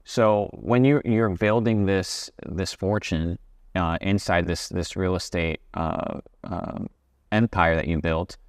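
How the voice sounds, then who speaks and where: A man hosts a casual interview and asks long, probing questions. His voice sits very low, and the recording is dry with no room sound. He often stops and restarts his phrasing mid-question. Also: steady tone, slow pace, dry recording. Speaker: interview host.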